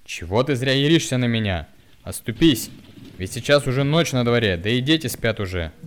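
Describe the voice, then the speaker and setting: A man's voice: medium pitch, lively intonation, moderate pace, slight background noise, voice pushed up, lightly acted. A man voicing a weary middle-aged village woman who pleads with and scolds her drunk husband in rustic speech. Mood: scolding plea.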